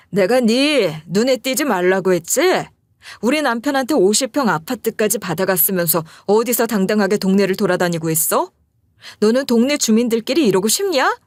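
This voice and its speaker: A woman's voice: on the high side, no echo, clean studio sound, pitched above the performer's own voice, lightly acted. A woman voicing a furious middle-aged wife who shrilly scolds and jeers at her husband's mistress.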